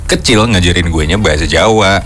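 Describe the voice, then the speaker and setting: A young man from Semarang with a Javanese-accented Indonesian, chatting casually in relaxed slang. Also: brisk, slight background noise. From Semarang, Central Java. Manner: relaxed Jakarta slang, laughs in high bursts. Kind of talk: casual chat.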